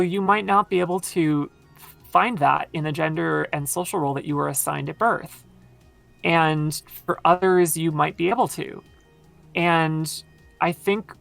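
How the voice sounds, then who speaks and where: Guesting on a podcast, she rambles through a long casual explanation packed with fillers. Her very low voice is creaky, a little bright, and fatigued from extended talking.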